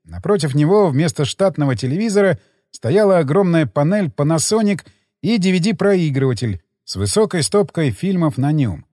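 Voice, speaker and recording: A man reading an audiobook in a dramatic, expressive scripted narration. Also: on the high side, moderate pace, dry recording, clean studio sound.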